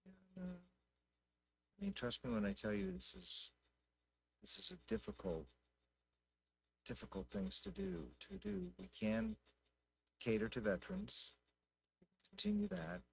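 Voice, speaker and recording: A man speaking informally at a public council meeting, thinking out loud in a folksy, conversational way. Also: high-pitched, big pitch swings, measured pace, gravelly, pauses often, slight background noise, rough recording. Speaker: city council member.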